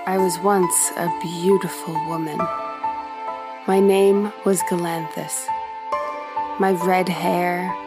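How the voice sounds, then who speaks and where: Proud wronged woman turned cat, solemn, lowish, very slow, mythic audio drama, music behind. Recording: music under the voice.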